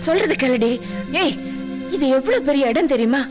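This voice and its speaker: A woman's voice: high-pitched, animated, moderate pace, music in the background. A scolding, begging mother. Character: anxious mother pressing her daughter to marry. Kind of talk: film drama acting. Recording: loud film score under voice.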